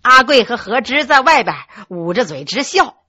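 A woman narrating a traditional tale in a high, bright voice that rises and falls with lots of color. Her tone is a bit husky, and the recording is dry and close. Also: normal speed, no echo. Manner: lively, expressive narration. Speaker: storyteller. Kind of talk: traditional oral storytelling.

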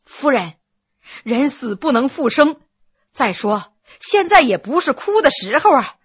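A woman's voice: high voice, big pitch swings, unhurried, no echo, muffled recording. Woman playing a hypocritical male disciple. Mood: smooth persuading. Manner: theatrical crying. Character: two hypocritical male disciples, fake wailing.

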